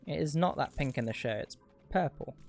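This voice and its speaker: A man's voice: on the high side, animated, brisk, vocal fry, darkish tone. A man giving casual livestream speedrun commentary in a dry, rambling, sweary way. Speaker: video game speedrunner and streamer. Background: game music.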